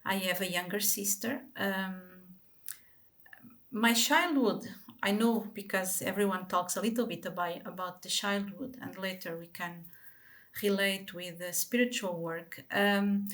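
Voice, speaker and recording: Slow-talking Portuguese woman, hesitant. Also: medium pitch, steady tone, fairly bright tone. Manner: hesitant, many ums and restarts. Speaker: guest. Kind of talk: personal life story in an interview.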